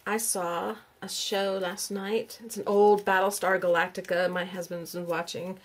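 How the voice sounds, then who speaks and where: A woman's voice: medium pitch, flat delivery, unhurried. Chatty woman vlogging. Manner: chatty, sounds out names aloud, asks viewers questions. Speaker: YouTube crafter hosting a giveaway. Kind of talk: casual on-camera vlog chat.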